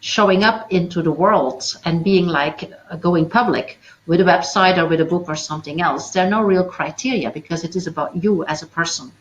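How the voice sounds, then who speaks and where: Affirming host woman, lowish voice. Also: brisk, few pauses, highs cut off. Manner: affirming, encouraging. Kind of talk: moderating a discussion.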